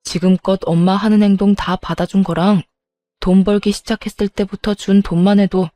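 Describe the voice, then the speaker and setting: A woman's voice: mid-range voice, flat delivery, normal speed, mellow, dry recording, soft background music, natural voice. A woman reading the lines of an exasperated adult son confronting his mother, in a raised voice. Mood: resolute.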